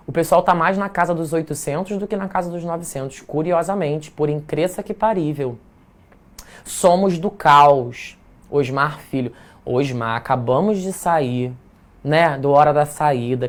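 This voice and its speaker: Chatty Brazilian man teaching a live class. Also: a little high. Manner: chatty, playful, tags remarks with "tá?". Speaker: essay-writing teacher.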